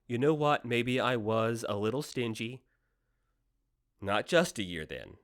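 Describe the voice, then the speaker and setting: A man's voice: medium pitch, expressive, measured pace. An actor playing the Devil in a radio play as a slick, teasing, cynical deal-maker with theatrical salesman patter. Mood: wheedling. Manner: wheedling salesman patter, mock-casual, theatrical swoops.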